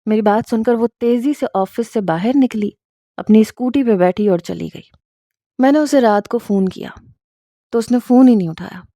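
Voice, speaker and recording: Lady reading a story calmly, mellow voice, dry mic. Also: on the high side, dry recording. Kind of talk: scripted audio story narration.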